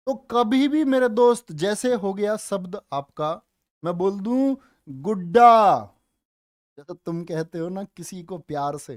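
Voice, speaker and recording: Guy teaching grammar online, slow and drawn out, keeps asking the kids if they get it, dry close sound. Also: high voice, dry recording. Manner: coaxing, repeats questions to students. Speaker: Hindi teacher. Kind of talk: online class lecture.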